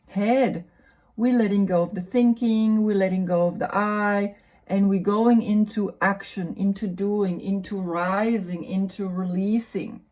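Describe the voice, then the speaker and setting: A woman with a German accent, explaining tarot cards in a relaxed, musing way, with lots of fillers and tag questions. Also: medium pitch. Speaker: tarot reader and yoga teacher. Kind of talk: casual explanatory talk about tarot cards.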